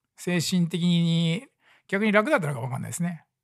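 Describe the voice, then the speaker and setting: The recording is very clean, with a silent background. A man talks at a fairly quick pace with a high pitch. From northern Kanto, Japan. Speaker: podcaster. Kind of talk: casual solo talk. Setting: office studio. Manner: casual, rambling.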